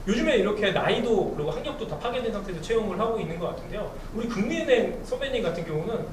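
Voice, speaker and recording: A man hosts an upbeat panel talk and reads out listener questions. His voice sits high and swings widely. He is heard from a distance in an echoey hall. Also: animated, racing. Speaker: host. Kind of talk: hosting a talk concert. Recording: echoey event hall, distant mic, noisy.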